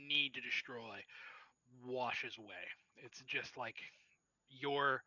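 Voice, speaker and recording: A man narrating as storyteller of a tabletop role-playing game, with halting restarts. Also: medium pitch, pushed and bright, no echo, low-quality recording.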